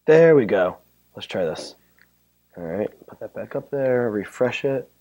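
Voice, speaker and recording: A man with a hoarse, worn-out voice giving a chatty, joking technical talk at a conference and bantering with the audience. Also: medium pitch, animated, a little slow, mellow, dull audio. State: hoarse, losing his voice. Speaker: conference speaker. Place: conference room. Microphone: handheld or stand mic.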